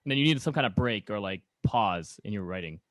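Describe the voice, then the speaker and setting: Fast-talking man, casual podcast co-host. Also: on the low side, animated, a bit bright, no room sound. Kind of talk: casual conversational interview.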